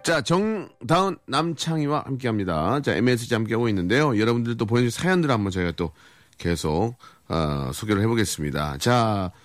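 A man's voice: lowish voice, lively intonation, a little fast, no room sound, soft background music. A man hosting a radio show, teasing his co-hosts with puns in casual banter. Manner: playful, punning, teasing. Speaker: radio host. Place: radio studio.

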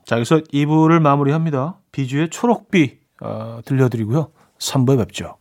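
A man's voice: medium pitch, moderate pace, gravelly, darkish tone. A man hosting a radio music show, chatting in a friendly way and reading out listener messages. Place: radio studio.

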